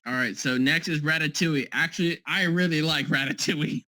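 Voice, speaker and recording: A man's voice: a little high, a little fast, bright, forceful tone, no room sound. A man co-hosting a casual podcast over a call, rambling and joking, often restarting and apologizing. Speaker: podcast co-host.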